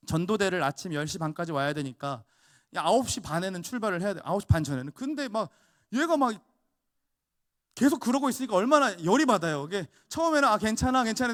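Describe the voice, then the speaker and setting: Lively high-voiced Korean pastor preaching. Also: male voice. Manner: storytelling, acts out dialogue, builds to emphatic peaks. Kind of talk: sermon.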